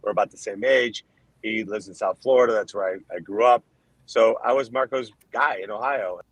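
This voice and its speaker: A man from Colombia, a political candidate answering interview questions in emphatic, rapid-fire lists of points. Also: on the low side, dry recording. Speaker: Senate candidate, guest.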